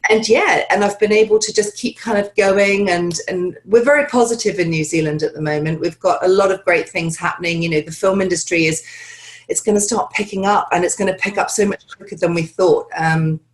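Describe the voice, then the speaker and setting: Woman acting coach, lower register, chatty and upbeat, talking on a video call. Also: brisk. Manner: chatty, upbeat, loose run-on sentences. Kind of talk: casual interview chat. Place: home.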